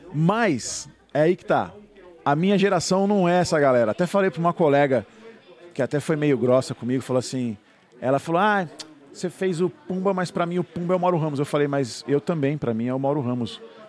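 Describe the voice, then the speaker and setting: Using an unremarkable speaking voice, a man talks with lively intonation at a fairly high pitch. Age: 30s. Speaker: voice actor. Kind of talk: casual chat. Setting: live stream recorded in a shop.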